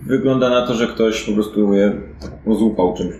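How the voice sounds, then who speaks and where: A man narrating a fantasy detective tabletop game as game master, improvising in a conversational, halting way. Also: on the low side, darkish tone. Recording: roomy echo, audible background noise.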